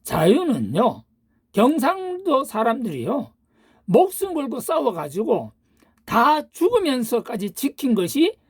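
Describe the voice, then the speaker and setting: A woman's voice: on the high side, a little mellow, breathy edge, no room sound, studio quality. An older woman giving a political monologue as a channel host, ranting with rhetorical questions and insults.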